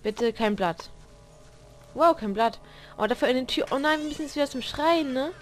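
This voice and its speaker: A woman's voice: high-pitched, moderate pace, soft background music. A woman giving unscripted commentary on a horror game she plays blind, jumpy, exclaiming, cussing and talking back to the characters. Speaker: let's player.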